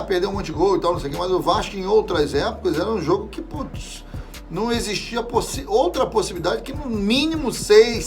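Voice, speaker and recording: A man, a guest chatting casually about football with swearing and many restarts. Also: high voice. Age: 40s. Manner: animated, swears freely, trails off and restarts. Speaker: interview guest.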